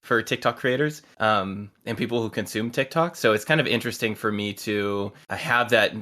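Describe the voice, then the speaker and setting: A man's voice: lowish voice, moderate pace, sharp tone. A man hosting a casual interview podcast, talking in long, thoughtful, rambling turns and laughing easily. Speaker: podcast host.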